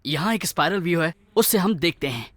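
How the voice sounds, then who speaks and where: A man's voice: on the high side, animated, a little fast, a bit bright, soft background music. An actor playing an intense, bossy young man caught up in solving a puzzle. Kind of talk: film dialogue.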